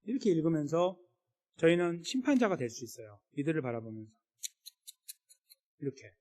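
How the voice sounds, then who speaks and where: Brief: male pastor mid-sermon, chatty and animated, fairly high voice, long church reverb. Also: a little fast. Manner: conversational, acts out quoted voices. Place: church sanctuary. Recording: echoey church hall.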